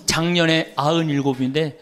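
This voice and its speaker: A man's voice: a little high, fairly even intonation, normal speed, over loud music. A middle-aged man, a Catholic priest, giving a humorous lecture and telling stories to an audience. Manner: storytelling, quoting others, teasing the audience.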